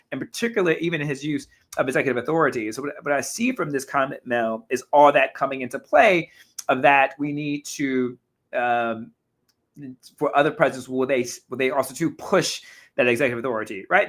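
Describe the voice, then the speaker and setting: Slightly hoarse, animated male talk host. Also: mid-range voice. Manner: animated, frequent restarts and self-corrections. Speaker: talk show host reading viewer comments. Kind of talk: casual live-stream commentary.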